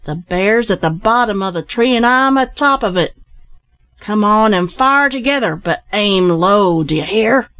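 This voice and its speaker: A woman's voice: mid-range voice, animated, a little slow, muffled recording, natural voice. A woman voicing a hearty, blustering male sea captain in an adventure story. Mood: roaring, urgent.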